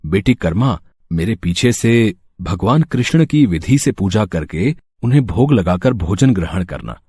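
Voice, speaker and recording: An actor playing a devout, kindly village farmer and father, speaking slowly and tenderly with a husky voice. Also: fairly low pitch, animated, dark tone, dry recording, clean studio sound. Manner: slow, tender, reverent speech. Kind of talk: dubbed devotional story acting.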